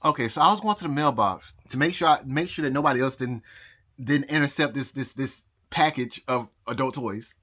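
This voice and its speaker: Bright-voiced man rambling, halting speech. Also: medium pitch. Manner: halting, repeats words, frequent pauses and nervous laughs. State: out of breath. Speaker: vlogger. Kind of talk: rambling personal story to camera. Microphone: phone recording.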